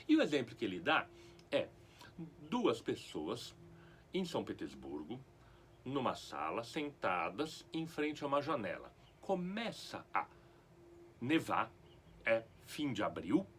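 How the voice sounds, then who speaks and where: Brazilian man, middle-aged, lecturing on poetry; slow pace, lively pitch, faint hiss behind. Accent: Brazilian Portuguese. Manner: lively, expressive, slow and deliberate. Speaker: literature lecturer. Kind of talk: explanatory talk on poetry.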